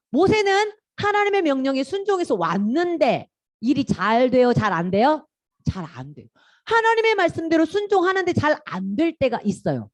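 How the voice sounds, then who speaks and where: A woman giving a children's sermon as a Sunday school teacher, animated and constantly quizzing the children. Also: sits high, no echo.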